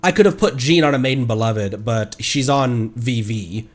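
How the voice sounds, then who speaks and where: A man's voice: medium pitch, moderate pace. A man livestreaming a video game with casual, rambling commentary, thinking aloud as he plays. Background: video game music.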